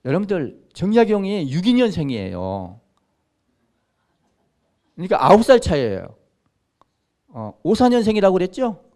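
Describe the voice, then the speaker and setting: A man's voice: sits high, huge pitch swings, moderate pace, pauses often, a little mellow. A man in his sixties, a priest, giving an informal history lecture and chatting with his audience with questions and asides. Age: 60s. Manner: conversational, asks the audience questions. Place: lecture room.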